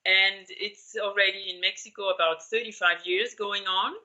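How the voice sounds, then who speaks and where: A woman's voice: mid-range voice, steady tone, moderate pace, pushed and bright, highs cut off. A woman in her sixties from Colombia, explaining things in an interview over a video call and searching for words with many fillers. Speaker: interview guest. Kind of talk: conversational interview.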